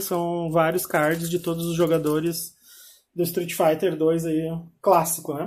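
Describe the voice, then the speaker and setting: Speaking at a fairly slow pace, a man with a high pitch keeps a monotone, flat intonation. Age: 30s. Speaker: game collector, YouTuber; YouTuber. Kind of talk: casual video tour of collection. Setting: game room at home. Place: home room. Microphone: phone near.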